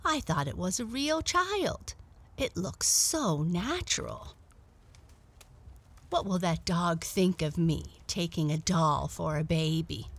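A woman's voice: lowish voice, lively intonation, slow pace, heavily acted. A woman voicing a brave female black cat who talks firmly but kindly. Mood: surprised.

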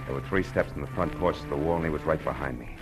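An American actor playing a tough, wry private detective in 1940s radio drama style, with sardonic, clipped, slangy delivery. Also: male voice, a bass voice, fast, loud music behind the voice. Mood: grim narrating. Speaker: actor playing the lead and narrator. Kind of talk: 1940s hard-boiled detective radio acting. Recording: noisy old-time radio recording.

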